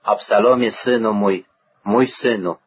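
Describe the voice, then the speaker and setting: A grieving old king lamenting his son, read by a man. His voice is low and husky, heard through a muffled, lo-fi recording. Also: measured pace.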